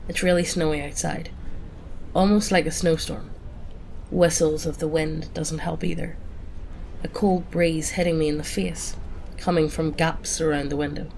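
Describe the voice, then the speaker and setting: A woman with a cold reading a horror story aloud in a calm first-person voice. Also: low voice, normal speed, vocal fry, slight background noise, low-quality recording. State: has a cold. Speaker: narrator.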